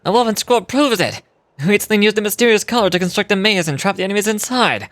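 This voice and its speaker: A woman's voice: mid-range voice, animated, fast talker, dry recording, pitched below the performer's own voice, close to an everyday voice. A woman voicing a stubborn, earnest tribal believer in old legends from a game. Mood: insistent. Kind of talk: game dialogue read aloud.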